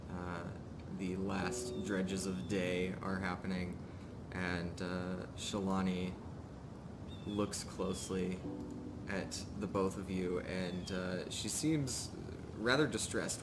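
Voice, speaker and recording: A man improvising narration as game master of a tabletop game, halting and pausing mid-sentence. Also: low voice. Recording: live stream with clear background noise.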